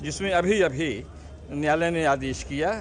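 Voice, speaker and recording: A man's voice: a little high, moderate pace. A man speaking as a lawyer to reporters, explaining a court ruling step by step in formal terms. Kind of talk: statement to press.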